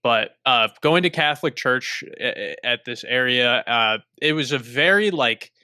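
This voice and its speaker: A man's voice: mid-range voice, animated, unhurried, sharp tone, clean tone, no room sound, studio quality. A young man co-hosting a casual podcast chat over a remote call, self-deprecating and restarting his sentences often. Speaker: podcast co-host.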